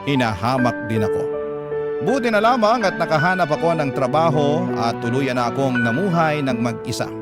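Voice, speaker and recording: Casting: male actor as gay confessional narrator, mid-pitched, candid and aggrieved, radio drama with heavy music underneath. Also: animated, normal speed, lightly acted. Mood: resolute, candid. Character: gay man confessing his hard life story, candid, self-deprecating. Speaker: reader of a letter sender's story. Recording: loud music bed underneath.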